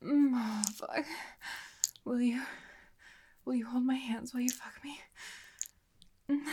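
A young woman speaking in a soft, breathy whisper with a drawn-out, murmuring delivery in an intimate roleplay. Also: high-pitched, a little hiss or hum. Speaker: audio roleplay performer.

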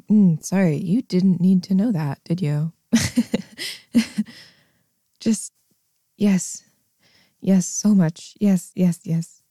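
A woman voicing a shy, eager young woman lover, speaking softly with breathy whispers into a close microphone. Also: fairly low pitch, drawn-out words, pauses often, dry recording, full character voice. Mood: shy, nervous. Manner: soft, breathy, often whispering. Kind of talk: intimate audio roleplay.

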